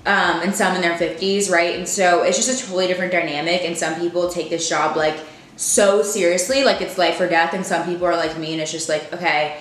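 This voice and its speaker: Brief: twenties female vlogger, low-ish voice, loose upbeat chatter, roomy home sound. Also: steady tone, a little fast, a little hiss or hum. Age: 20s. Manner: chatty, filler-heavy, upbeat. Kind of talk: casual vlog chat. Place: apartment room at home. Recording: echoey room.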